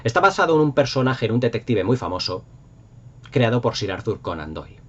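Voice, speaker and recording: A middle-aged man from Spain, speaking with a Spanish accent, hosts a video in a casual, nostalgic, enthusiastic way, rambling effusively. His medium-pitched, husky voice swings widely in pitch at a brisk pace. The audio sounds dull.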